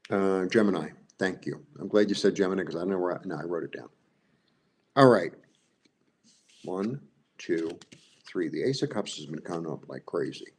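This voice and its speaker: A husky, low-pitched man with a Brooklyn Jewish accent gives a live tarot reading at a moderate pace, pausing often and speaking expressively. He rambles and repeats himself, addressing viewers directly and asking them "right?"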